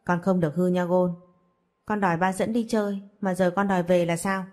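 A woman's voice: lowish voice, fairly even intonation, fairly quick, a little mellow, close to an everyday voice. Woman playing a stern, lecturing young father.

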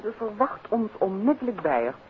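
An actress plays a curious, gently teasing Dutch wife in a 1950s radio mystery. Her voice sits at a middle pitch. The recording is narrow and faintly noisy. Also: sing-song, normal speed, close to an everyday voice. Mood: concerned, curious. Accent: Netherlands Dutch. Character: detective's devoted wife, wry, curious, teasing.

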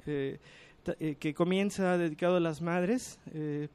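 Hesitant high-voiced man hosting radio. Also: steady tone, measured pace, darkish tone, clean tone. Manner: hesitant, many fillers and restarts. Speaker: radio show host. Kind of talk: casual radio talk.

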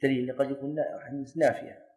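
A man's voice: medium pitch, flat delivery, a little fast, warm tone. A man teaching a classroom lesson, quizzing and correcting students and joking lightly. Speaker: teacher of Islamic jurisprudence.

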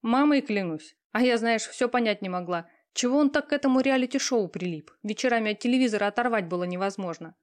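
A woman voicing a hurt, tearful young woman who answers slowly and stubbornly. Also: a little high, animated, lightly acted. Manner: slow, subdued, stubborn replies. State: tearful, sniffling.

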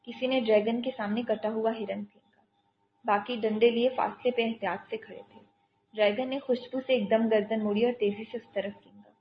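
A woman narrating a novel in a measured storytelling voice, on dull lo-fi audio with faint hiss. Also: on the high side, fairly even intonation.

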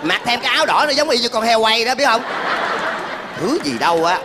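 An actor playing a short, touchy old master of the house in a stage comedy sketch, scolding in a bossy, blustering way. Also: male voice, very high voice, expressive, brisk. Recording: live stage with crowd noise.

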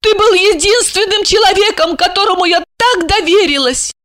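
A woman's voice: normal speed, a bit bright. A woman narrator voices a drunk, hysterical woman who shrieks and wails theatrically. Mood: shrill. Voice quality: shrill, drunken wailing.

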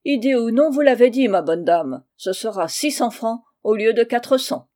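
A woman doing a gruff greedy schoolmaster. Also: medium pitch, lively intonation, normal speed, mellow, close to an everyday voice. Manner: gruff and blunt. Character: gruff greedy male schoolmaster, stern and blunt.

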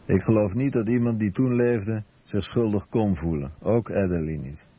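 A man's voice: fairly low pitch, normal speed, mellow, breathy edge. A man reading scripted documentary narration and translated testimony as a voice-over. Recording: dull lo-fi radio recording.

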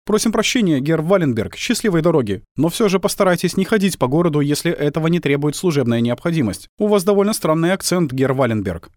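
Мужчина изображает настороженного немецкого фельдфебеля. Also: male voice, fairly high pitch, sing-song, fast talker, hardly any pauses, a little mellow, no room sound, studio quality, pitched above the performer's own voice. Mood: polite. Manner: deferential, cautious. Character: wary polite German patrol sergeant.

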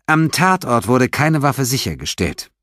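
A man's voice: medium pitch, big pitch swings, measured pace, a bit bright, no room sound, studio quality, voice pushed up. A man voicing a cold, insistent policewoman. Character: sharp, skeptical female police interrogator.

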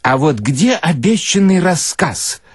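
A male reader as stern newspaper manager, commanding, dry, husky, radio storytelling. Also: on the high side, very animated, slow pace, no room sound, voice pushed up, full character voice. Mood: demanding.

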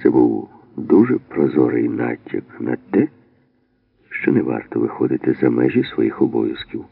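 Very deep gravelly male audiobook narrator. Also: normal speed, no echo. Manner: steady storytelling. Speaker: audiobook reader. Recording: dry, phone-like narrow band.

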